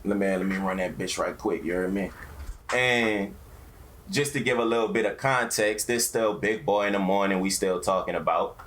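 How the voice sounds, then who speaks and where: A man's voice: fairly low pitch, moderate pace, a bit bright, slight background noise. A man with an African American accent hosting a casual, opinionated podcast, talking in slang with plenty of swearing. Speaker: podcast host.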